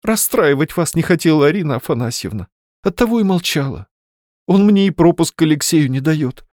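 A man's voice: on the high side, animated, moderate pace, darkish tone, dry recording, clean studio sound, pitched above the performer's own voice, lightly acted. A man voicing a distressed young woman who pleads for help, in a raised, pleading voice.

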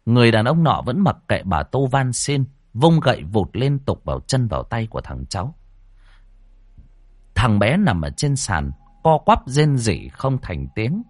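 A man narrating a ghost story in a dramatic, expressive way. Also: medium pitch, measured pace, no room sound, clean studio sound.

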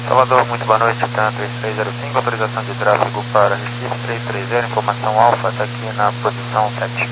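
Pilot crackling over a two-way radio. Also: male voice, on the low side, little pitch movement. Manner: clipped, rapid radio phraseology. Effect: heard over a two-way aviation radio. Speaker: airline pilot. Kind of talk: air traffic radio exchange. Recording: loud hiss and hum of radio static.

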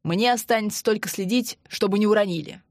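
A woman's voice: mid-range voice, a little fast, no room sound, lightly acted. Woman voicing a wry, teasing young man. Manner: dry, teasing.

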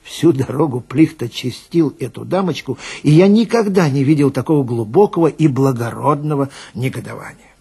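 Guy narrating a radio story, really raspy n creaky, wry and expressive. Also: mid-range voice, normal speed. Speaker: storyteller, actor.

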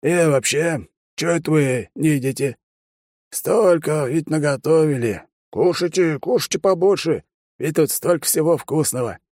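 A man's voice: fairly high pitch, measured pace, a little mellow, no echo, clean studio sound, pitched above the performer's own voice. A man voicing a mischievous old grandfather who teases and jokes in an audiobook. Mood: feigning innocence. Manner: sly, joking, cackling. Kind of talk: audiobook character voice.

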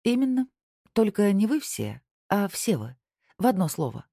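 An audiobook reader voicing a direct, teasing Southern widow who runs a business, lifting the voice higher for her lines. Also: big pitch swings, normal speed, creaky, mellow, no room sound, studio quality. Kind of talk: audiobook dialogue.

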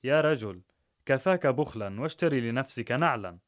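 A man narrating a rhymed story in a measured, rhythmic way. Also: medium pitch, expressive.

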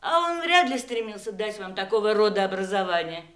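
An actress playing a sharp-tongued, defiant mistress in a theatrical Russian audio drama, with a sarcastic, challenging delivery. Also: female voice, medium pitch, very animated, a little fast, reverberant.

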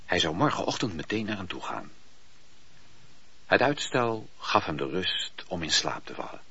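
A man reading scripted literary narration for a radio play, with a husky voice and a measured, expressive storytelling delivery. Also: deep voice. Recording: muffled, dull, dry radio play recording.

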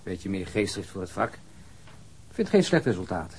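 An actor playing an encouraging, gently teasing police colleague in a conversational radio crime drama scene. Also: male voice, low-pitched, big pitch swings, normal speed, husky, exaggerated voice.

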